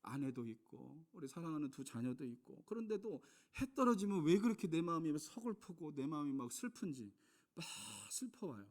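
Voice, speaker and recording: Impassioned middle-aged Korean pastor preaching. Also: male voice, on the high side, very animated, a little fast. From South Korea. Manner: impassioned preaching, swinging between loud emphasis and hushed storytelling; addresses the congregation with rhetorical questions. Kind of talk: sermon.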